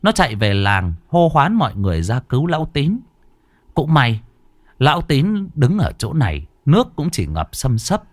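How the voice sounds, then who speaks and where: Lively male storyteller, dry close sound. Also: medium pitch, moderate pace, no echo. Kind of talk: spoken folk story narration.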